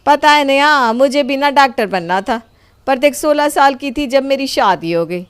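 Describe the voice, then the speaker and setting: A woman's voice: sits high, expressive, normal speed. Chatty housewife sister-in-law acted by a woman. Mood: chatty, wistful.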